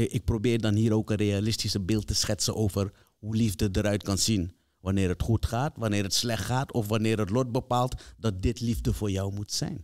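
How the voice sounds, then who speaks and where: Against a quiet background, a man with an ordinary speaking voice talks at a fairly low pitch and a moderate pace. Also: fairly even intonation. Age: 40s. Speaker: podcast host. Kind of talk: casual chat. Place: studio. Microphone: studio mic.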